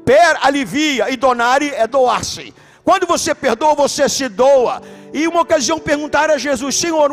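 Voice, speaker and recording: A man with a Brazilian Portuguese accent, a pastor telling stories in an animated sermon and shouting at key points. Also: very high-pitched. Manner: animated preaching, shouts for emphasis. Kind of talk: sermon with storytelling. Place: church.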